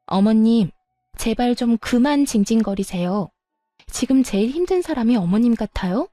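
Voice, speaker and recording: A woman's voice: on the high side, lively intonation, normal speed, dark tone, no echo, faint music behind, lightly acted. A woman voicing a young wife who firmly pushes back at her mother-in-law in an exasperated way. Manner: firm, exasperated.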